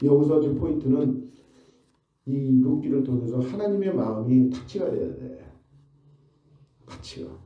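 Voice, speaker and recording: In a room with audible echo, a man of medium pitch talks at a moderate pace with vocal fry. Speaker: guest preacher. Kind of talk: sermon.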